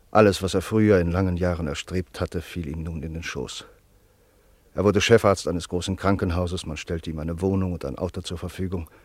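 A man narrating a German radio play in a sober, measured and solemn style. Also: low-pitched, husky, dry recording.

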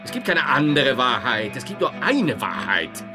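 A man's voice: medium pitch, very animated, normal speed, natural voice. An actor playing a devout, dogmatic medieval monk philosopher in an audio drama, solemn and emphatic in his statements. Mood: firm, dogmatic. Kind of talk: theatrical audio drama dialogue. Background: music.

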